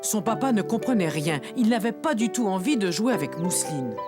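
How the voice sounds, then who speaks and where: A woman narrating a French children's cartoon as a kindly, expressive storyteller. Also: medium pitch, a little fast, natural voice. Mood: storytelling. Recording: music behind the narration.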